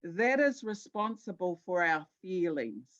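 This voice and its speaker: Speaking as a guest at a Māori health conference, a New Zealand-accented woman tells stories and leans on repetition to stress her points in a conversational educational talk. She has a lowish, fairly bright voice with big pitch swings, talks a little slowly, and the audio is dull.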